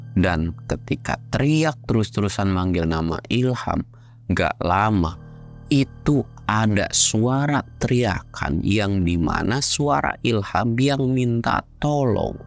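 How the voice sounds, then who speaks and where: Low-voiced man telling a slangy ghost story. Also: expressive, takes it slowly, creaky, soft background music. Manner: chatty slangy retelling, sudden shifts into hushed and loud moments. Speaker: horror story narrator. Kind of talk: casual horror storytelling.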